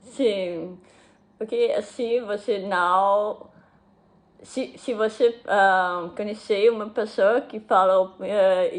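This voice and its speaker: A young woman with a German accent speaks slowly in halting beginner sentences, with frequent pauses, fillers and self-corrections, and laughs often. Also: medium pitch. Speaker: language learner. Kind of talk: unscripted video message to her boyfriend.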